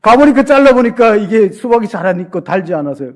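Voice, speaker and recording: High-voiced pastor preaching with humor. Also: male voice, sing-song, quick pace. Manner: conversational and humorous, questions the congregation. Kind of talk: sermon. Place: church sanctuary.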